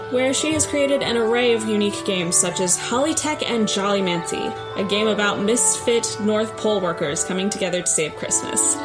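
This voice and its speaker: A woman podcast cast member reading a scripted promotional spotlight. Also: on the high side. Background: loud music.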